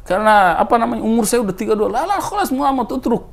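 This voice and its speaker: A man in his thirties from East Timor, telling his personal story in a casual interview, his voice rising high when he stresses a point. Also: fast, gravelly. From Timor Leste. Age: 30s. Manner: animated storyteller, voice rising with emphasis.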